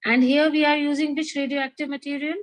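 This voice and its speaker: South Asian woman teacher, higher-pitched voice. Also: little pitch movement, a little fast, no room sound. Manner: instructive, repeats key points, prompts with questions. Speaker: biology teacher. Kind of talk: interactive lecture with questions to students.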